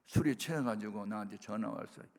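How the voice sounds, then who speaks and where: A male pastor giving a sermon testimony, telling his story with animated bursts of loud emphasis. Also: lowish voice, a little fast. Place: prayer retreat sanctuary. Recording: reverberant worship hall.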